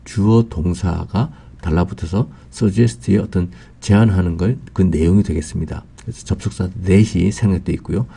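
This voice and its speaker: A man teaching English grammar in a recorded lesson, explaining slowly and carefully, drawing out English example phrases with a Korean accent, and pausing on "ah" fillers. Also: deep voice, gravelly, mellow, breathy edge.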